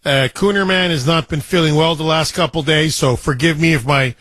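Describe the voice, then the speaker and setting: Congested radio host, animated. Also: male voice, a little high, no echo. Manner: animated, quick storytelling with sound effects. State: congested, scratchy throat. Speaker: radio talk show host. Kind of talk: talk radio monologue and caller chat. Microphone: studio microphone.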